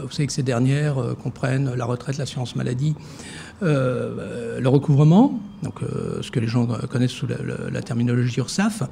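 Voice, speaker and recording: A man answers interview questions in a gravelly, dark-toned voice, pausing often on fillers and restarting his sentences. He speaks as the director of a social security fund. Faint noise sits under the recording. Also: medium pitch. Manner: hesitant, many fillers and restarts.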